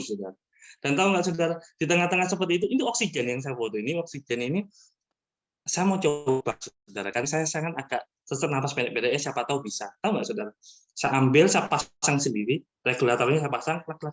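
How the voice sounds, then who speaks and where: A man giving a personal testimony at an online church service over a video call, telling his story with animation and often turning to address his listeners directly. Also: medium pitch.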